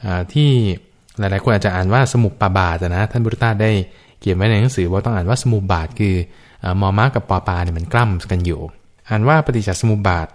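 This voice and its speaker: A man who is a Buddhist monk, patiently explaining teachings on a radio Dhamma discussion, with many soft fillers. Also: low voice, fast. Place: radio studio.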